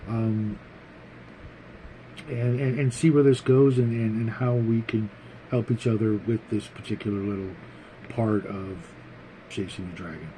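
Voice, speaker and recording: A man hosting a casual, unscripted vlog about tabletop gaming, talking to viewers in a rambling, halting, conversational way. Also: lowish voice, fairly even intonation, dark tone, slight background noise, rough recording. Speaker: host of a tabletop gaming vlog, game master.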